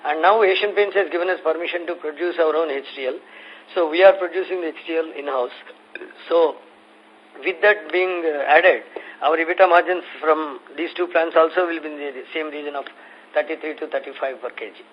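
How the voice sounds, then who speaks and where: A man with an Indian accent answering investor questions as a company executive on an earnings call, explaining in a halting way. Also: a little high, fairly even intonation. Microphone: conference call phone. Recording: muffled conference phone line with noise.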